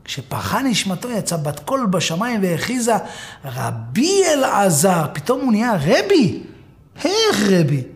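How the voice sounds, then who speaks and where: A man's voice: high-pitched, very animated. A male rabbi preaching a sermon, telling a story dramatically and asking his listeners rhetorical questions.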